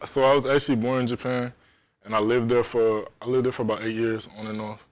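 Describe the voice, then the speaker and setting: A man's voice: mid-range voice, flat delivery, fast talker. A man, a football player, answering interview questions politely. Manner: polite, says "sir".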